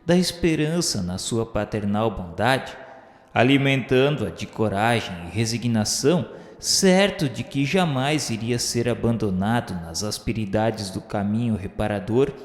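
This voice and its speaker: Brazilian man narrating solemnly in deep reverb. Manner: formal, measured, earnest. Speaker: narrator of a spiritist radio novel. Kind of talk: solemn scripted literary narration. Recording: echoey hall-like reverb under music. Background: background music.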